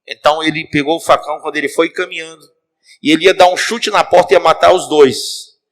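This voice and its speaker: Fast and fairly high-pitched, this preacher, a bishop with a Cearense Brazilian Portuguese accent, delivers a sermon as a story. He's animated and addresses the congregation directly.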